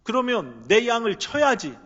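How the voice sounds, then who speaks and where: A man preaching a sermon, voicing a risen teacher who gently and insistently urges his disciple to get up. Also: high-pitched, normal speed. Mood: rousing. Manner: intimate pleading turning to rousing calls. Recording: echoey church hall, slightly muffled.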